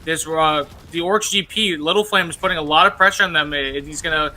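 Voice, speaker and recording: Very bright-voiced esports color caster man. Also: a little high, fairly quick. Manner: casual analysis with many "uh" fillers. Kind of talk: live esports commentary.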